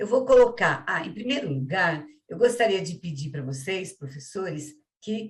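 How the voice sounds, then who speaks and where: Audible room echo surrounds the voice. The delivery is somewhat breathy, with lively intonation. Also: woman. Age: 60s. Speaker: math teacher trainer. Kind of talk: online teacher training lecture. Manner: friendly, hesitant with fillers.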